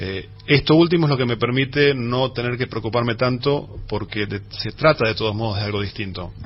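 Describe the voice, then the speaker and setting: Over noticeable background noise, someone speaks at a moderate pace with ordinary pitch variation in a Rioplatense accent. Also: man, medium pitch for a man. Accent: Rioplatense Spanish (porteño). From Buenos Aires, Argentina. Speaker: bandoneon player. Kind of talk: radio interview.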